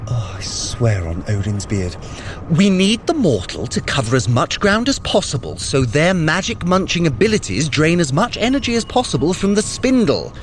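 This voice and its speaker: A man's voice: a little high, very animated, normal speed, a little hiss or hum. An actor playing a vain, sarcastic male trickster god in a scripted audio drama, theatrical and full of self-praise. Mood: sardonic. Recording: music bed under the voice.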